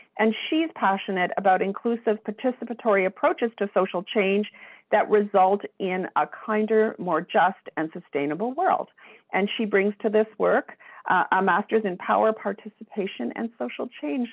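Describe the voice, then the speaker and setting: Against a quiet background, a woman speaks at a moderate pace, the sound dry with no echo. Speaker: webinar host. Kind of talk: introduction of guest speakers. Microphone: video call.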